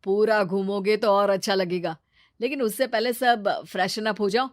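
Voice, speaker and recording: An easygoing young man from a cartoon story, voiced by a woman, who jokes and teases his friends. The voice is mid-pitched and the sound is dry and close. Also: steady tone, normal speed, no echo, natural voice. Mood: friendly. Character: young man, calm and teasing.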